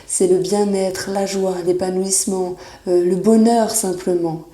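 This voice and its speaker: A woman giving a monthly horoscope tarot reading, reassuring and often pausing with fillers as she searches for words. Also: mid-range voice, fairly even intonation, mellow. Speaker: tarot reader. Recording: echoey room.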